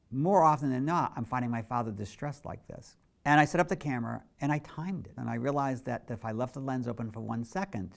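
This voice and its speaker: A man's voice: mid-range voice, creaky. A middle-aged male photographer narrating a documentary in a candid, reflective storytelling manner.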